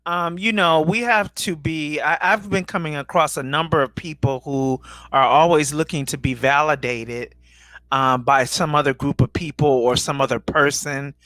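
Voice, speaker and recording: A man co-hosting a podcast, speaking in a measured, thoughtful way with many fillers. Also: a little high, fairly even intonation, pushed and bright, no room sound. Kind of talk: casual podcast commentary.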